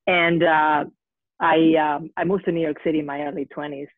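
Spanish accent lady on a video call, gravelly voice, tinny phone-ish sound, lots of ums. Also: sits low, steady tone, normal speed, dry recording. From Spain. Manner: hesitant, many fillers. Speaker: guest health coach. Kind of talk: online panel conversation.

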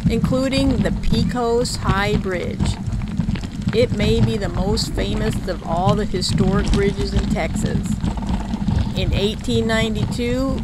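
A woman narrating her outdoor travel vlog in a measured, informative scripted voice-over. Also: mid-range voice, very noisy. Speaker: travel vlogger.

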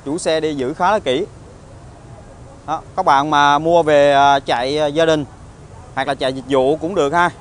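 Higher-voiced southern Vietnamese used car salesman. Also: steady tone. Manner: used car salesman pitch, halting with frequent hesitations and tag words. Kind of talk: informal sales walkaround video. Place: outdoor car lot, partly inside a car. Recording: outdoor phone recording with traffic ambience.

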